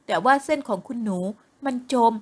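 A woman voicing a humble, flattering older female masseuse in an audio novel, fawning and polite. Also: brisk, natural voice. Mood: apologetic.

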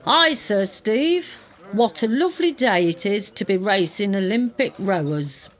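A woman's voice: medium pitch, expressive, unhurried, close to an everyday voice. A woman voicing a daffy, boastful old lady in a comedy cartoon, blunt and oblivious. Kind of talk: animated comedy character acting.

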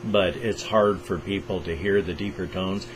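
Older man, pacific northwest american accent, enthusiastic reaction host, headset mic, faint hum behind. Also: fairly even intonation. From Pacific Northwest, USA. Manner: enthusiastic, keeps voice raised to a higher register, speaks slowly on purpose. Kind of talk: casual chat to camera. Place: small room at home, indoors. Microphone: over-ear headset.

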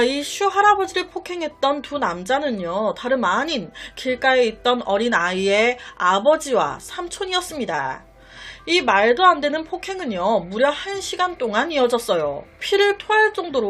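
Animated high-voiced woman storyteller. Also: normal speed. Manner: chatty, dramatic, addresses viewers directly. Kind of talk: casual true-story narration.

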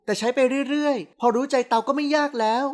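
A man putting on a soft-spoken young pregnant woman. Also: extremely high pitch, voice pushed up. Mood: cheerful. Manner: soft, polite, slow.

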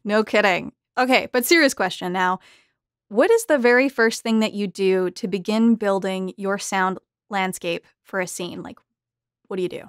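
A woman's voice: medium pitch, normal speed, clear, resonant tone, dry recording, studio quality. A woman hosting a casual roundtable in a playful, informal way. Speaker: host.

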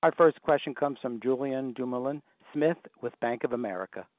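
A man's voice: mid-range voice, moderate pace, no echo. A man working as a conference call operator, giving scripted instructions. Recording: dry, tinny telephone line.

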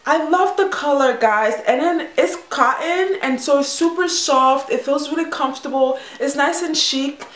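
A woman's voice: sits high, moderate pace, few pauses, a bit bright, echoey room. A woman in a casual haul video, chatting in a bubbly, gushing way with lots of fillers. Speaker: fashion vlogger.

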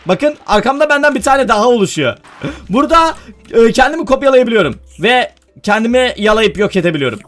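Giving a let's-play in an excited, very high-pitched voice at a fairly quick pace, this gaming host chats with his viewers and frequently breaks into shouts.

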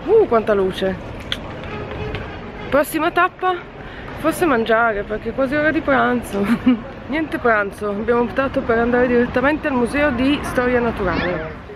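A travel vlogger in her thirties films herself on a phone held at arm's length, chatting upbeat to viewers on city streets and in a hotel room. Her voice is a little high with lively intonation and an unhurried pace, heard over music, crowd and street noise in poor audio.

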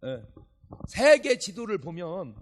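At a church revival service, a male pastor with a voice that sits high preaches slowly and animatedly. He tells jokey stories and acts out dialogue between characters.

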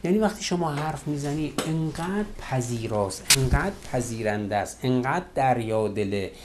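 A man's voice: medium pitch, expressive, slight background noise. A middle-aged man, a marriage counselor, lecturing on relationships and acting out couples' quarrels in quoted voices.

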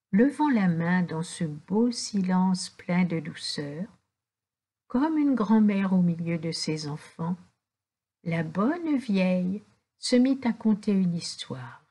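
Slow, soft-voiced woman reading a children's tale. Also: medium pitch, husky. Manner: slow, gentle, storytelling cadence. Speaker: audiobook reader. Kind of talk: storybook narration for children.

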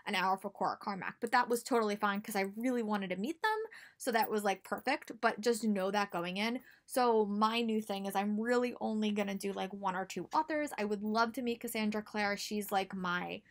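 Young american woman chatting tips to her camera at home, mid pitched voice, emphatic. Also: moderate pace. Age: young adult. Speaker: book vlogger. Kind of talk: casual chatty advice vlog. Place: small home room with bookshelves, indoors.

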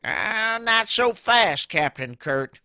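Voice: mid-range voice, lively intonation, takes it slowly, sharp tone, clean tone, no echo, exaggerated voice. A performer voicing a wary, wisecracking rat hoodlum in a comic audio drama, sardonic and given to stammering. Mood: wary, needling.

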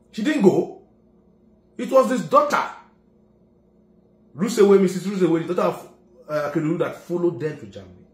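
A middle-aged man with a Nigerian accent giving emphatic political commentary, dropping to low solemn murmurs and rising to loud declarations. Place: indoor office room. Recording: echoey room.

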